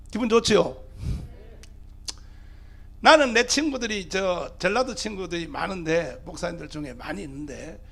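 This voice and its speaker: A man's voice: high voice, gravelly, fairly bright tone. A man, a pastor giving a fiery rally speech, pressing the crowd with rhetorical questions. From Gyeongsang region, Korea.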